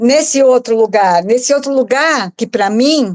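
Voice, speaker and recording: Talking at a fairly slow pace, a woman with a fairly high pitch uses lively intonation in a dry, close sound with no echo. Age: 60s. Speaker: spiritual workshop co-host. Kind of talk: live online class conversation. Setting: YouTube livestream. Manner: halting, with many fillers and repetitions.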